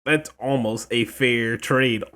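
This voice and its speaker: A man's voice: mid-range voice, steady tone, slow, fairly bright tone. A man hosting a gaming video, giving casual, slangy playthrough commentary and often repeating himself.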